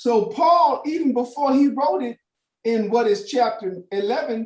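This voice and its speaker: A man speaks loudly at a fairly slow pace. His pitch is extremely high, with ordinary pitch variation. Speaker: bible teacher. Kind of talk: bible study teaching.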